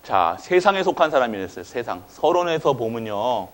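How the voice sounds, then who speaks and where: Here the pastor has a mid-range voice and is very animated, speaking at normal speed. His sermon is built around call-and-response, with frequent questions to the congregation followed by waits for their replies.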